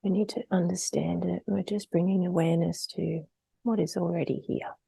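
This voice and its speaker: A woman leading a guided meditation in a soft, breathy, gentle voice, unhurried and trailing towards a whisper between long pauses. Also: lowish voice, steady tone.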